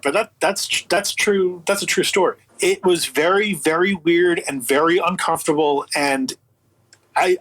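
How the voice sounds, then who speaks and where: A man with a slightly high, husky voice is a guest in an interview. He tells his story in a casual, conversational way, acting out both sides of remembered exchanges with an incredulous, sardonic edge. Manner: animated retelling with acted-out quotes, incredulous and sardonic. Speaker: interview guest, audio book producer.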